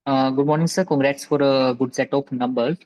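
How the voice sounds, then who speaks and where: A man asking a formal investor question on a conference call, polite and halting. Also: medium pitch, steady tone, a little mellow, dull audio.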